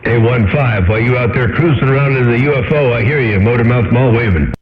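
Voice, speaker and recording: A man's voice: mid-range voice, fast talker. A man chatting casually over CB radio, drawling in trucker-style lingo with handles and codes. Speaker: CB radio operator. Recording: echoey dull CB radio transmission.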